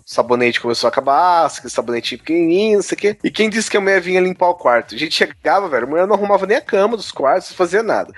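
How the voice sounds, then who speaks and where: A Brazilian podcast host who tells his story at a rapid clip, full of slang and laughter. His voice is high and swings all over the place. The sound is dry and close. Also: dry recording. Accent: Brazilian Portuguese. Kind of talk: casual chat.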